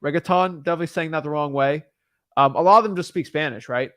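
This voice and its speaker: Young man, slightly high voice, dry close sound, rambling advice with lots of fillers. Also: fast talker, fairly bright tone, no room sound. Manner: rambling, repetitive, frequent fillers and restarts. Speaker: real estate wholesaling coach. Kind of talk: casual talking-head advice.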